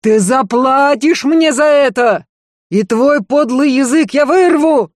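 A reader doing a proud stage actress in a fury, her voice pitched high and loud and her delivery grand and cutting. She declaims every insult slowly, as if from a stage. It is recorded dry and close. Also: very animated, no room sound, full character voice. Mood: raging. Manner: shrill, mocking, declamatory. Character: proud famous actress woman, furious.

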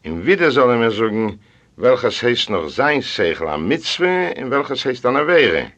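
A man reading a story aloud in the first person, expressive and swinging between hushed and loud passages. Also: mid-range voice, unhurried. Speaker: audiobook reader. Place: library recording room. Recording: dull lo-fi audio.

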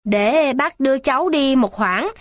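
A woman voicing a kindly older male locksmith in a children's storybook, gently giving directions. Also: high-pitched, lively intonation, measured pace, no room sound, clean studio sound, pitched above the performer's own voice.

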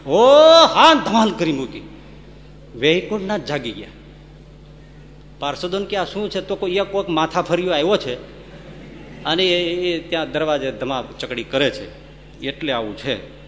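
A man's voice: fairly high pitch, lively intonation, a little slow, pauses often, a bit bright, in a large hall, slight background noise. A man giving a humorous religious discourse, acting out characters and chanting Sanskrit verses. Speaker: religious storyteller.

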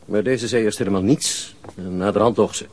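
Frank, husky hospital doctor. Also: male voice, lowish voice, a little fast, a little mellow. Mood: frank, grave. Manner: formal, matter-of-fact, emphatic. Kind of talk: radio drama acting.

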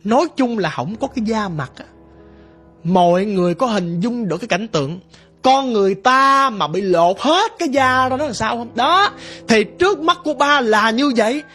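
A woman's voice: a little high, lively intonation, moderate pace, a bit bright, breathy edge, faint music behind. A woman narrating a ghost story in first person, vivid and emphatic.

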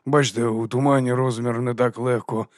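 A man's voice: medium pitch, level tone, brisk, no room sound, clean studio sound, close to an everyday voice. A man doing a weary, mumbling watchman. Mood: sheepish. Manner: mumbling, subdued. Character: weary middle-aged male watch captain, sheepish. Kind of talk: audiobook character voice.

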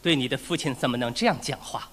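A man's voice: mid-range voice, quick pace, a bit bright, big-room sound, slight background noise. A man telling a comic story in a teasing, playful way as the lead in a crosstalk performance.

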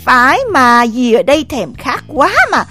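An actress with a Southern Vietnamese accent playing a jealous, furious village wife, scolding in a shrill, rapid-fire voice in an audio drama. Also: female voice, lively intonation, sharp tone, faint music behind, heavily acted.

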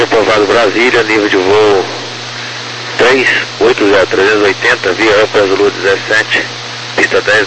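Casting: Brazilian man, slightly low voice, formal air traffic control callouts through a clearly noisy radio link. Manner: formal, procedural. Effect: radio transmission. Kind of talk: radio callouts, clipped procedural phraseology.

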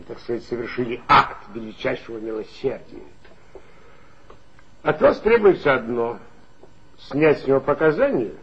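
An actor playing an authoritative male police chief in a 1960s radio play, with a smooth, insinuating, lecturing manner. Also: mid-range voice, lightly acted. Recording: dull lo-fi old radio recording.

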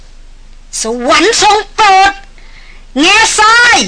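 A man's voice: very high voice, quick pace, bright, forceful tone. A woman voicing a seasoned jungle hunter who speaks politely and reassuringly. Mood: overjoyed. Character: great jungle hunter, calm seasoned man.

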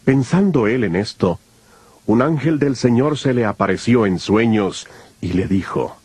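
A man narrating scripture from a script in a solemn, measured storytelling manner. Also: medium pitch, expressive, darkish tone, breathy edge, no echo. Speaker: Bible narrator.

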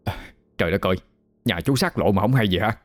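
A man voicing a young village lad in a storybook, talking fast and excited. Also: lowish voice, soft background music, lightly acted. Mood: rushed excited. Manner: rushed, excited chatter. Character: young village boy running errands, breathless.

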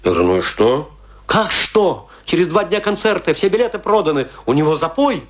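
Wildly swooping, tipsy Russian intellectual. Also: male voice, on the high side, big pitch swings, brisk. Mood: storytelling relish. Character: tipsy, rueful, self-mocking Russian intellectual, an ageing man. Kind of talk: theatrical dramatic monologue.

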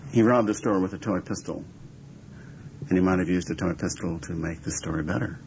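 A man muses aloud in an interview. His deep voice is gravelly, recorded dully with faint noise behind it. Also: normal speed, a little mellow. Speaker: interviewed commentator. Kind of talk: reflective conversational interview talk. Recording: muffled archive recording with background noise.

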